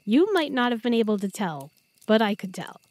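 A woman's voice: on the high side, sing-song, normal speed, a little mellow, no echo. A woman playing an affectionate, earnest young girlfriend in an intimate, chatty roleplay audio drama. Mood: tender. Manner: tender, chatty, playful.

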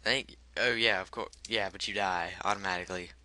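This let's play commentator has a low, sharp voice, speaks briskly, and keeps his intonation fairly even. He curses at the game in frustration, muttering the menu options as he picks them while his voice cracks.

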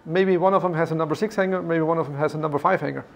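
A man's voice: a little high, steady tone, racing, vocal fry, a little hiss or hum. A man in his forties with a German accent, guiding visitors through a workshop and explaining the steps with many fillers and restarts. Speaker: factory guide. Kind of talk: guided factory tour explanation. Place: large workshop hall indoors.

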